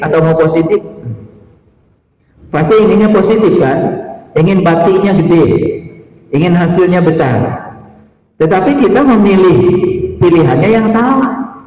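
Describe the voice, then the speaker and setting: A middle-aged man giving a sermon lecture as an Islamic teacher, speaking in a deliberate, didactic way with rhetorical questions and repetition. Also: on the high side, darkish tone. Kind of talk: sermon lecture to a live audience. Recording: echoey hall with long reverb.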